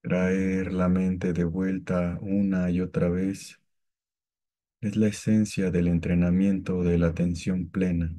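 A man guiding a meditation with calm, gentle, scripted instructions and long pauses between phrases. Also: low voice. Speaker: meditation guide.

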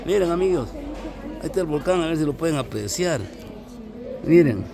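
A man from El Salvador with a Salvadoran accent, vlogging casually outdoors on a misty mountain and talking warmly to his viewers as friends. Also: on the high side, lively intonation, a little fast, creaky, a faint crowd. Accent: Salvadoran Spanish. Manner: chatty, addresses viewers as little friends. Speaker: travel vlogger. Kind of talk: casual vlog narration.

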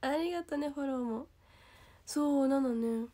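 A young woman with a Kansai accent chatting casually on a livestream, reading comments aloud, giggling often and sometimes dropping to a soft whisper. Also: high voice, normal speed. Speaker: idol livestream host.

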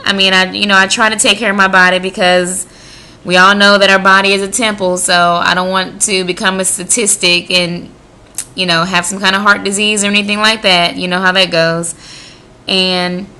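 A woman's voice: mid-range voice, pushed and bright. An American woman in her twenties from the Midwest, introducing herself informally for a radio audition in a conversational, self-promoting way. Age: 20s. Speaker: radio job applicant.

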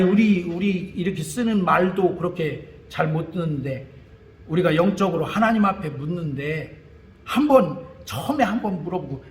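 A man from Chungcheong with a Chungcheong Korean accent, preaching a Sunday sermon in a folksy, anecdotal way, chuckling and repeating words as he goes. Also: high voice. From Chungcheong, South Korea. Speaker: pastor. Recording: echoey church hall.

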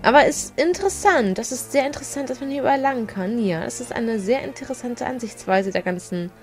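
Woman doing a let's play, bit high voice, giggly, keeps tripping over words, quiet game music. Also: expressive, brisk. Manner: chatty and giggly, often stumbles over words. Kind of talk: casual gameplay commentary. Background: faint game music.

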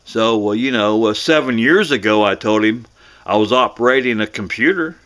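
A middle-aged American man telling a personal story casually to camera in a folksy, halting way, often repeating himself. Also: on the low side, a bit bright. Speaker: vlogger.

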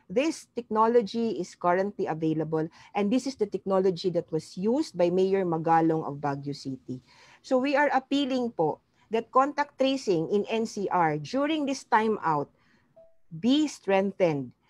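A woman's voice: mid-range voice, no echo. A middle-aged woman with a Filipino accent giving a formal, polite explanatory presentation as a physician over a video call. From Philippines. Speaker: public health physician speaking at a press briefing. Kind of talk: formal slide presentation, appeal. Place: indoor room, on a video call. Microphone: wired earphone mic on a video call.

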